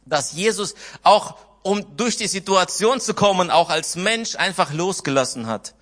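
A man's voice: sits high, expressive, measured pace, a bit bright, big-room sound. A man preaching a sermon, earnestly retelling scripture and putting questions to his listeners. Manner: earnest, retells scripture with quoted dialogue, asks the congregation questions.

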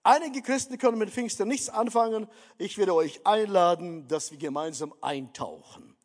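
A man's voice: high-pitched, moderate pace. A man preaching a sermon, emphatic, repeatedly calling his listeners dear friends. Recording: long hall reverb.

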